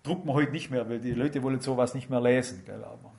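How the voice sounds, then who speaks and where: An older man preaching a sermon, retelling a story and quoting scripture with animated, dramatic delivery. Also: mid-range voice, quick pace, creaky.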